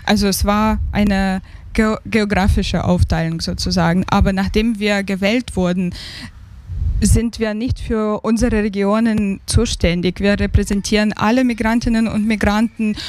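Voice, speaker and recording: Slow, hesitant woman from Ukraine. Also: medium pitch, a little mellow, clean tone. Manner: hesitant, many fillers and restarts. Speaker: interview guest, migrant council member. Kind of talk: casual interview answers.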